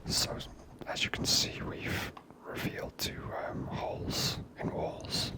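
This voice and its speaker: Male ASMR gaming host: whispered, close-miked, unhurried murmured commentary. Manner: unhurried, murmured thinking aloud.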